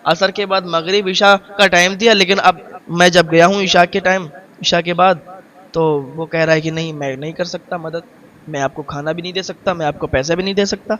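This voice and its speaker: A man's voice: high voice, steady tone, fairly bright tone, highs cut off, pitched below the performer's own voice. A man voicing a poor, heartbroken father who pleads tearfully and repeats himself in long lists. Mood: aggrieved.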